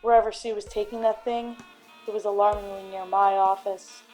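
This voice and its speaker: A woman plays a hard-boiled radio-drama detective with a mid-pitched voice. The delivery is brooding and theatrical, world-weary and given to melodrama, with music underneath. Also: flat delivery, fairly quick, darkish tone, close to an everyday voice, rough recording. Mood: brooding narration. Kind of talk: noir radio drama narration.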